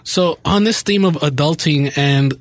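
A man co-hosts a casual podcast chat with a fairly high voice, often stopping to restart his questions. The sound is close and dry, with no room echo. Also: unhurried. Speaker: podcast co-host.

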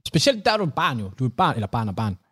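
A man's voice: medium pitch, sing-song, pushed and bright, husky, dry recording, studio quality. Joking young man podcast host. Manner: joking, imitates people in anecdotes. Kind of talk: casual chat.

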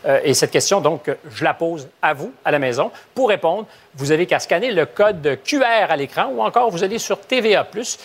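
A man with a Québécois accent hosting a studio panel debate, lively and probing, joking with his guests. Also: fairly high pitch, normal speed, hardly any pauses, slightly rough. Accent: Québécois French. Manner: lively, asks probing questions, jokes with guests. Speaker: talk show host. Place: TV studio with live audience.

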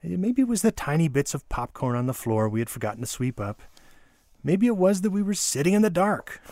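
A man reading a nostalgic memoir aloud as a storyteller, in a dramatic, measured way with deliberate pauses and emphasis. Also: on the high side, darkish tone.

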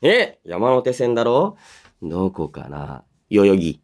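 Lively, expressive male radio host. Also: fairly low pitch, slow. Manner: polite but casual, musing to himself. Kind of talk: solo radio talk, reading listener mail with chatty asides.

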